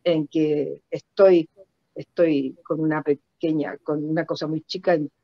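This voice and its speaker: An older woman with a Chilean accent recounts personal stories reflectively in an interview, halting and repeating words for emphasis over a video call. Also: low-pitched, fairly even intonation, dry recording. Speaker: guest performance artist. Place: indoor room at home. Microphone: computer mic on a video call. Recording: dull lo-fi video call audio.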